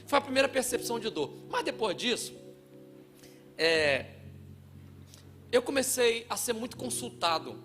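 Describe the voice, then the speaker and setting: A man from Brazil preaching a sermon in a church, telling a story with acted-out voices and shouts. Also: very high-pitched, very animated, measured pace, long pauses, faint music behind. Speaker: pastor.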